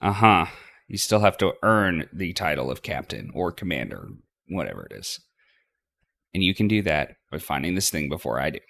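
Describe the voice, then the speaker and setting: Casting: male reader as a cocky, casual young trail leader, gravelly edge, lively delivery, for a visual novel. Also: low voice, normal speed, full character voice. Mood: playful. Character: confident, teasing young adventurer leading a climb.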